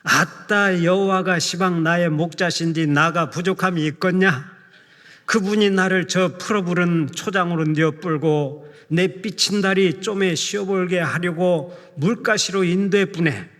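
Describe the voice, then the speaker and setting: A pastor doing an exclaiming Jeolla-dialect psalm reciter. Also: male voice, high voice, measured pace, fairly bright tone. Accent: Jeolla dialect, put on. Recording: long reverb of a big hall.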